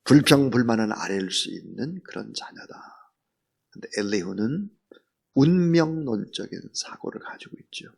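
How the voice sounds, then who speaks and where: A man preaching an early-morning sermon as pastor, earnest and full of rhetorical questions, swinging from loud emphasis to near whisper. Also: mid-range voice, expressive, moderate pace, vocal fry, slightly rough.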